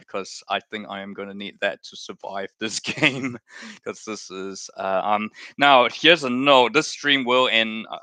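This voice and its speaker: Bright, clear-voiced rambling male streamer. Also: lowish voice, dry recording. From Malaysia. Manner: chatty, rambling, self-correcting. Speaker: live-stream host. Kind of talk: casual watchalong chat.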